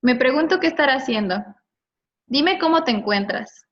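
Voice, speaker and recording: A woman's voice: sits high, lively intonation, moderate pace, slight background noise. A woman teaching a grammar lesson to a class, prompting students with questions and checking their answers. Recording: dull lo-fi recording.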